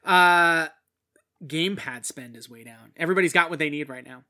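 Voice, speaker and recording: A man's voice: a little high, brisk, sharp tone. A man co-hosting a podcast, reading out market figures in an easygoing, jokey chat. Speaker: podcast co-host. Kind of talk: casual news chat.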